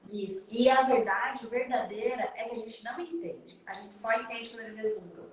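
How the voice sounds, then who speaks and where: A woman in her thirties with a Brazilian accent, giving parenting advice live over a video call, fast and emphatic. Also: a little high, very echoey, far from the mic, a little hiss or hum. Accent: Brazilian Portuguese. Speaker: parenting consultant.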